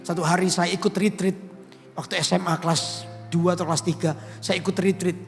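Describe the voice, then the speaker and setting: High gravelly pastor in a hall. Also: male voice, fairly quick. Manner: animated storytelling, drops into Javanese phrases. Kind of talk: sermon with personal testimony. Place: large church auditorium. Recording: reverberant church hall with music.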